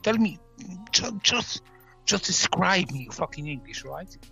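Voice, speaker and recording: A man's voice: high-pitched, expressive, unhurried, gravelly, pushed and bright, faint music behind. A man with a Polish accent, a native Polish speaker, bantering with friends, insistent, repetitive and swearing a lot. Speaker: friend in a group chat. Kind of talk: casual banter among friends.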